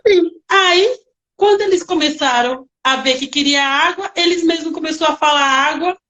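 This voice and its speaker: A woman working as a nanny, telling stories in a casual interview with lively, emotional reenactments. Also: sits high, moderate pace, lo-fi sound.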